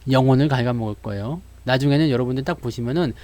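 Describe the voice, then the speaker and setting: A man's voice: mid-range voice, rapid-fire, darkish tone. A man giving a live stock market lesson, acting out investors' worries and answering them while talking straight to viewers. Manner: addresses viewers directly with frequent fillers.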